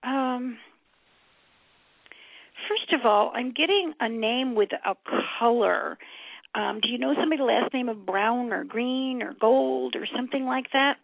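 A middle-aged woman from upstate New York giving a live psychic reading on a call-in show, halting as she thinks aloud and addressing callers with familiar endearments. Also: on the high side, gravelly, dry recording. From upstate New York, United States. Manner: familiar, calls callers hon and sweetie. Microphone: telephone. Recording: narrow, tinny phone-line sound.

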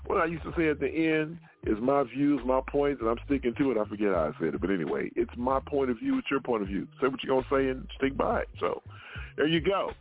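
A man's voice: mid-range voice, animated, fast, soft background music. A man hosting an opinion talk show, arguing his point emphatically and repeating words as he pushes on. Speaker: radio show host. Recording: phone-like narrow sound.

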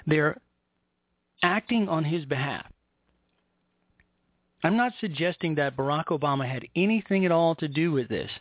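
A man's voice: fairly high pitch, lively intonation, dry recording. American male political commentator on phone-like audio. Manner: emphatic, indignant, deliberate phrasing with repetition. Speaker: political talk show host. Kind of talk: political commentary with read-out news articles. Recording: tinny, narrow phone-like line.

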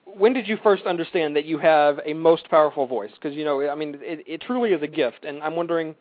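A man's voice: on the high side, fairly quick, dry recording. A man hosting a radio talk show, chatting and interviewing in an effusive, complimentary way. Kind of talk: casual chat and celebrity interview. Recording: dry phone-like line.

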